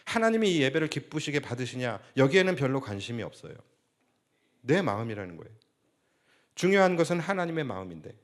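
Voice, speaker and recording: A man's voice: mid-range voice, very animated, brisk. A male senior pastor preaching a Sunday sermon, asking the congregation rhetorical questions and acting out quoted speech.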